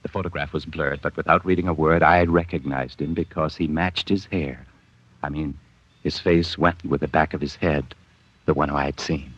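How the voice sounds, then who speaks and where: A haunted, stammering murderer. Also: male voice, extremely low pitch, fairly even intonation, moderate pace, a bit bright, husky, heavily acted. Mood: brooding. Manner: stammering, tense. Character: haunted guilt-ridden man, nervous murderer. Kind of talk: 1940s radio acting. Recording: dull old radio recording.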